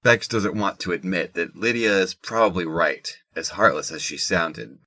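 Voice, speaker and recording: A man narrates a scripted audio drama. His voice is low and rough-edged, with a forceful, present tone. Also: normal speed.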